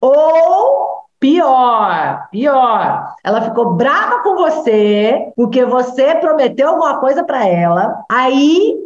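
A Brazilian woman hosting a live talk, animated, often asking viewers questions and acting out children. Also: sits high, takes it slowly. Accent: Brazilian Portuguese. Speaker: channel host talking about child behavior. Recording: roomy, slightly dull livestream audio.

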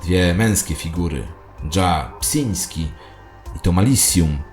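A low, deep male voice of an actor as a paranoid, self-important conspiracy believer. He narrates his tale in the first person with solemn theatrical weight, like an audio drama, over clearly audible music. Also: slow pace, darkish tone. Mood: conspiratorial, solemn.

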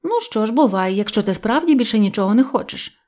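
A woman's voice: a little high, animated, quick pace, a little mellow, close to an everyday voice. A woman voicing a polite but stern male rabbit who speaks in a prim, precise way, for a storybook.

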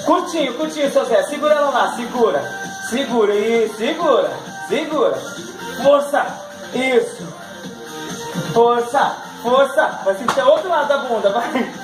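A man's voice: very high-pitched, lively intonation, moderate pace. A middle-aged man with a Brazilian accent leads an exercise class for older pupils, counting and cheering them on between laughs. He is picked up by a camera across an echoey living room. Music plays steadily behind him. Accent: Brazilian Portuguese. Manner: upbeat counting and cueing, frequent laughs. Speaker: fitness instructor.

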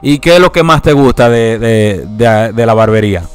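A man's voice: mid-range voice, lively intonation, normal speed, clean tone, soft background music. A Dominican man hosting a casual barbershop podcast, teasing and joking with his guests. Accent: Dominican Spanish. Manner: joking, teasing, laughs often.

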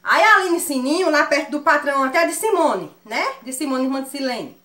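Bright high-voiced Northeastern Brazilian woman. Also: a little fast. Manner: animated, laughing often, addresses viewers as "gente". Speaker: vlogger. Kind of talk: casual storytelling to viewers. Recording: echoey room sound.

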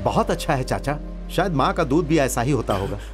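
A man's voice: mid-range voice, big pitch swings, a little fast, loud music behind the voice, natural voice. A man dubbing a devoted, earnest young man caring for his family. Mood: gentle. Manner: gentle, earnest.

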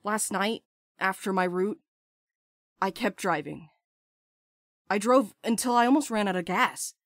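Actress doing a cocky impulsive young woman, sarcastic, medium pitch, podcast drama, very dry recording. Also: measured pace, dry recording, close to an everyday voice. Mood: urgent. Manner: crude, sarcastic, bantering. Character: brash, playful, impulsive young postal worker friend. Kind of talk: audio drama acting.

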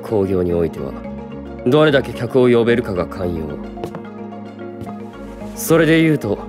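A man's voice: mid-range voice, big pitch swings, moderate pace, over music, natural voice. An actor playing a stern, arrogant young male producer in a voice drama, speaking coldly and curtly. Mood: businesslike. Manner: cold, curt, commanding. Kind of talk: anime-style voice drama acting.

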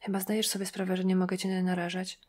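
Woman doing a restrained female investigator, quiet, matter-of-fact, low-key, audiobook. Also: monotone, fast talker, natural voice. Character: calm guarded female private investigator.

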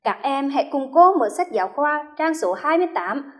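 A woman's voice: high voice, lively intonation. A woman primary school teacher with a Hue accent, leading a first-grade reading lesson and carefully modeling each sound for children to repeat. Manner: slow, careful modeling of sounds, drawn-out repetitions for children to echo.

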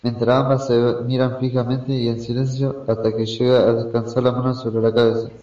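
A man's voice: mid-range voice, little pitch movement, a little fast, mellow, recorded from a distance. A young man with an Argentine accent reading stage directions in an amateur radio play. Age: teens or young adult. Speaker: narrator. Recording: echoey, dull lo-fi room recording.

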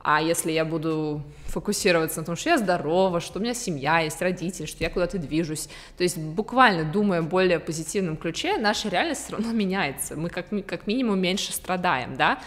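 A young woman with a lowish voice talks informally to camera, explaining things in a conversational way. She drops English terms into her native speech as a bilingual speaker. The open living room adds a long reverb around her voice. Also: animated, fairly quick, hardly any pauses. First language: Russian with English as a second native language. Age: 20s. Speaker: video blogger. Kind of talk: casual explainer to camera, mixing in English words. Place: large open-plan living room indoors. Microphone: desktop condenser microphone.

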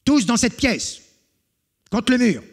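A man voicing an aging male brigand who cares more for his book, pleading and shouting in shrill outbursts. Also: normal speed, husky, big-room sound, full character voice. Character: aging male brigand, bookish, whiny and desperate.

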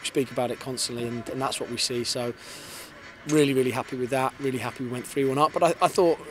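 A man in his thirties, a football head coach, giving an earnest post-match interview outdoors on a floodlit pitch into a handheld mic, often repeating words as he starts a sentence. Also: fairly even intonation, fast talker. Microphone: handheld reporter's mic held in front. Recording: outdoor stadium noise behind.

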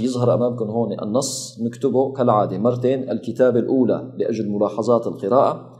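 Male teacher, mellow voice, careful repetition, roomy sound. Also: mid-range voice. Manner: slow, careful, repeats words for students. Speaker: Turkish language teacher. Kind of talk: pronunciation lesson. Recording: echoey room.

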